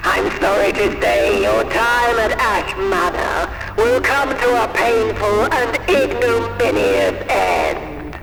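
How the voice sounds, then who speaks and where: Gloating villain for horror audio drama: high, swooping, creaky delivery, theatrical and falsely courteous. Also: male voice, sing-song, slow, few pauses, full character voice. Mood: gloating politeness. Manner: mock-polite, theatrical, gloating. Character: suave, sinister male mastermind presiding over a deadly manor. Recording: echoing hall, music behind.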